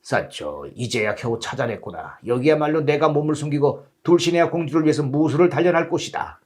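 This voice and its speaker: A man's voice: a little high, expressive, fairly quick. A man voicing a gallant, deluded old knight with a solemn, declamatory manner in a storybook tale. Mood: musing.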